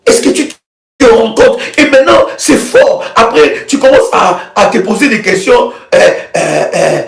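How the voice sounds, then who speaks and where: A man preaching in a live prayer broadcast, with fervent, repetitive declarations and bursts of shouting. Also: extremely high pitch, very animated, a little slow, gravelly. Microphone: live video stream. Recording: echoey room with soft music.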